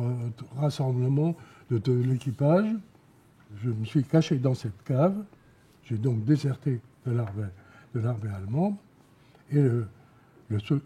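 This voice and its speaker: Elderly man, deep-toned dark timbre, husky edge, halting delivery in short phrases, spoken testimony. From Alsace, France. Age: elderly, around 90. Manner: halting, repeats words, pauses between short phrases. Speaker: war veteran giving eyewitness testimony. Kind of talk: spoken testimony, recounting memories.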